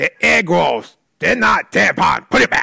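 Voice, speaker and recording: A man puts on a raspy character voice and talks at a fairly slow pace. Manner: angry, scolding.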